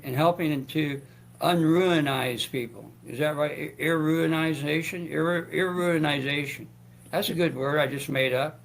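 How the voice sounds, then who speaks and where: Gravelly stammering male talk host. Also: on the high side, a bit bright, poor audio. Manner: stammering, restarts often; joking asides. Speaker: show host. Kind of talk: rambling esoteric talk.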